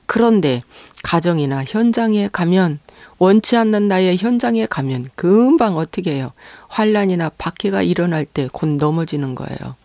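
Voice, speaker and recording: A woman pastor preaching a sermon, earnestly posing rhetorical questions to the congregation and pausing on fillers between phrases. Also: on the low side, a little mellow, dry recording.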